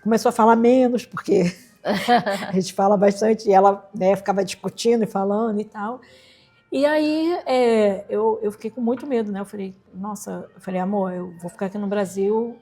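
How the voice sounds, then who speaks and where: Animated woman. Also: mid-range voice, normal speed. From Rocinha, Rio de Janeiro, Brazil. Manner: animated, acts out quoted voices. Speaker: interview guest, entrepreneur and singer. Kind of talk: emotional personal storytelling.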